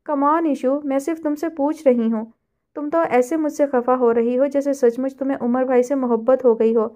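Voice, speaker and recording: A woman's voice: sits high, fairly even intonation, mellow, lightly acted. A woman voicing a playful, mocking young woman friend in a storybook reading. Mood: teasing. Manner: teasing, mocking.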